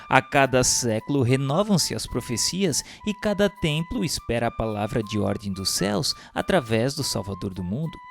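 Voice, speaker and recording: A man's voice: medium pitch, creaky. Solemn Brazilian male narrator over music. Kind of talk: solemn scripted narration of a religious text.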